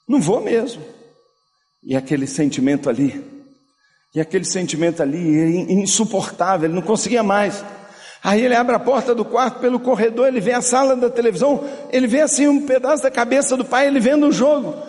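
A male pastor preaching a sermon, swinging from loud, slow declarations down to soft, hushed passages. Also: very high-pitched. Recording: long hall reverb.

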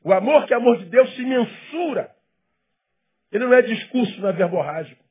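A Brazilian Portuguese-accented man, a pastor, preaching a sermon with passion, swinging from loud emphasis to hushed tones. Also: very high-pitched, expressive, brisk, breathy edge. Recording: tinny phone-like sound.

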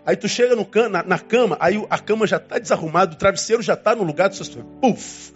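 A man preaching a sermon as pastor, emphatic, with dramatic swings in pitch and long pauses. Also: dull audio, faint music behind.

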